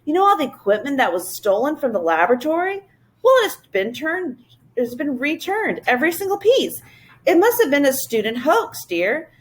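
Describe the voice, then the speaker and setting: A woman voicing a middle-aged father who talks in a brisk, matter-of-fact way. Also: high voice, sing-song, voice pushed up.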